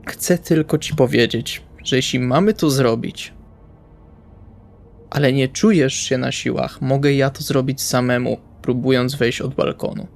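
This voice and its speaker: A man's voice: mid-range voice, measured pace, vocal fry, soft background music. A man playing a blunt, jaded but protective ex-military vampire who swears, in an improvised roleplay audio drama. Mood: reassuring.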